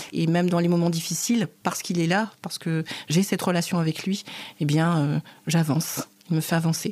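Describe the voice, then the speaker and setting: This woman's voice is fairly low, with noticeable noise in the background. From Cameroon. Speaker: church leader and HR director. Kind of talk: testimony. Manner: hesitant.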